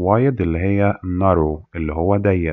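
A man's very deep, low voice at a fairly slow pace, in an Egyptian accent. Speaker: teacher. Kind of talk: lecture.

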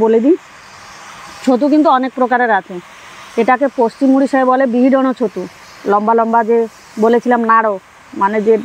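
With light background noise and a dry sound with no echo, a woman speaks in a high pitch with fairly even intonation. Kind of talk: cooking tutorial chat. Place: garden. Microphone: camera far.

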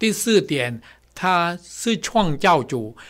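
A man talks in a high voice at a very slow pace. The background is quiet. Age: 70s. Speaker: church elder; preacher. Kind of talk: sermon. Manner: halting, many fillers. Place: studio. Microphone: podium.

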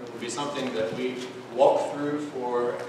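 Over noticeable background noise and strong room echo, a man talks at a fairly quick pace. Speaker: preacher. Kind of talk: sermon. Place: church.

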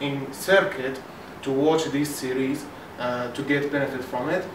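Over music in the background, a speaker with an Arabic accent talks in fairly even intonation. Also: man. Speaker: electrical engineering student. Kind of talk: lecture intro to camera. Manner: hesitant, many fillers. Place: home room. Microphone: camera far.

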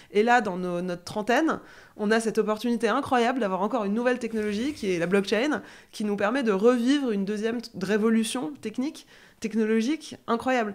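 A woman with a fairly high pitch speaks at a fairly quick pace with ordinary pitch variation. The background is quiet. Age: 30s. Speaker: fintech company CEO; guest. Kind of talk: interview. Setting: at a blockchain conference in Paris. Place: studio. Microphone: studio mic.

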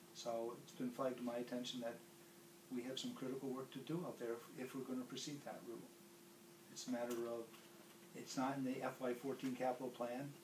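A man at a fairly quick pace, monotone and flat in intonation, with long, frequent pauses and noticeable background noise. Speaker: public works official. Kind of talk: public board meeting. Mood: earnest, concerned. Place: meeting room. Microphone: camera far.

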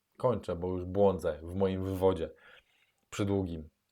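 At a moderate pace, a man speaks with a fairly low pitch and a dark, mellow tone on a very clean recording with a silent background. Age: 40s. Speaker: addiction recovery coach. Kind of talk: casual talk with reading from book. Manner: informal, conversational.

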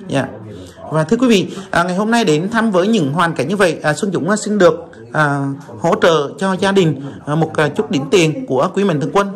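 A man's high-pitched voice, lively in intonation and fairly quick in pace, over light background noise. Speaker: charity vlogger. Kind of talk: direct address to viewers; casual chat. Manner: halting, many fillers. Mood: sympathetic, earnest. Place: home room. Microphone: phone near.

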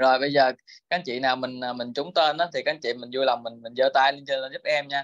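A man speaks at a fairly quick pace in a monotone, flat intonation. His loudness swings widely against a quiet background. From southern Vietnam. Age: 20s. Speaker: online seller training host; online sales webinar host. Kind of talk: sales pitch. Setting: Zoom video call. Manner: filler-heavy, promotional. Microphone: video call.

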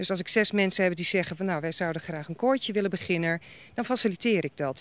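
A woman's enthusiastic, very fast delivery with ordinary pitch variation and a dry sound free of echo. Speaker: activity coordinator at care home. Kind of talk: interview answer. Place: street. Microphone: handheld.

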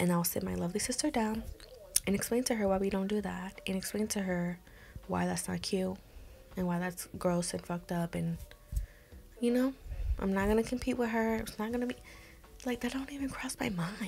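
Somewhat breathy, a woman talks at a fairly quick pace with long, frequent pauses and ordinary pitch variation over light background noise. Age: 20s. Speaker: YouTuber giving advice and reading viewer stories; YouTuber giving advice. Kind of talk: casual advice vlog with read-out stories. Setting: home video recording to camera. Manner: animated. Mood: animated, opinionated. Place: home room. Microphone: studio mic.

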